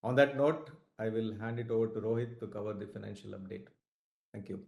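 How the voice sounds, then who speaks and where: A man's voice: lowish voice, a little fast, gravelly, darkish tone. Male executive in a roomy space. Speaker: corporate executive presenting. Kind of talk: prepared earnings call presentation. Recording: roomy conference call audio.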